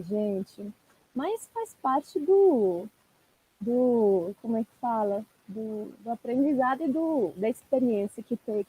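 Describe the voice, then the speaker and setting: A woman's voice: on the high side, dark tone, husky, poor audio. A woman, a language teacher, chatting casually on a live stream, laughing often and talking to the viewers. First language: Italian.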